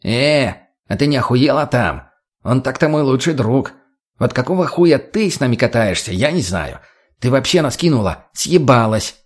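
A man's voice: medium pitch, expressive, normal speed, lightly acted. A man voicing a crude, cheeky male junkie who provokes and teases his friends. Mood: mocking.

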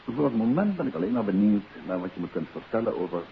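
A man's voice: fairly low pitch, big pitch swings, fast talker, vocal fry. A man playing a confident author-detective in a 1950s radio play, coaxing and insistent as he questions. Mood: probing. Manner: urbane, persistent, adds questioning tags. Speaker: radio drama lead actor. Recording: hissy, muffled 1950s radio recording.

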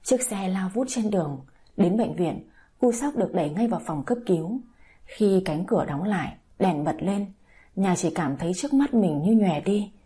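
A woman's voice: medium pitch, animated, moderate pace, warm tone, husky. A woman reading a dramatic audio story, with emotive scripted narration.

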